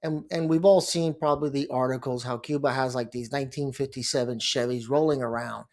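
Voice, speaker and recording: This is a middle-aged Miami lawyer, who practices bankruptcy law and hosts a blog, speaking in a steady, brisk, mid-range voice. His casual talk wanders as a rambling monologue, with asides and frequent restarts.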